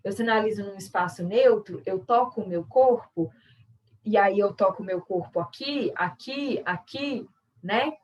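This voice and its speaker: Brazilian woman, workshop teacher, conversational explainer, mid pitch, slightly distant video-call mic. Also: a little slow, darkish tone. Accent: Brazilian Portuguese. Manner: explanatory, conversational, many tag questions. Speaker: sign language interpreter and workshop teacher. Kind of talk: online workshop lesson.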